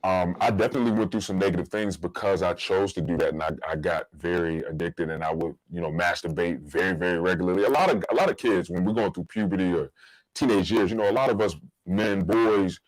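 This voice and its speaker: Man, American accent, deep voice, close dry sound, slangy conversational podcast host. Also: quick pace, no echo, poor audio. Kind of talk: casual podcast talk with personal stories and advice.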